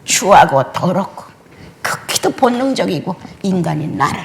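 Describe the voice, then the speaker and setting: Dramatic older woman preacher, lively pitch. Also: normal speed, vocal fry. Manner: dramatic preaching, swinging between loud exclamations and hushed whispers. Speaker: pastor. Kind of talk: sermon.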